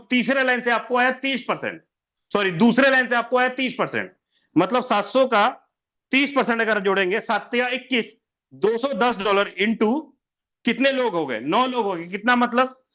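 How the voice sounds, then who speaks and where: A man's voice: sits high, pushed and bright, dull audio. A man giving a sales presentation over an online meeting, repeating each figure and firing rhetorical questions at listeners he keeps calling sir. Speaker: business presenter.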